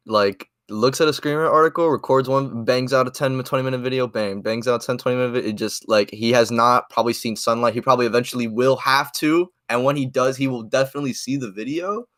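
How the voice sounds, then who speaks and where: A man's voice: mid-range voice, brisk, few pauses, fairly bright tone, no echo, clean studio sound. A man co-hosting a podcast, chatting casually. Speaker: podcast co-host. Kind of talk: casual chat.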